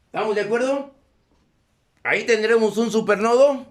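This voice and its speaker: A male teacher giving a live electronics class, often pausing to ask students if they follow. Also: sits high. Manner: constantly checks in with questions to the class. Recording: echoey classroom.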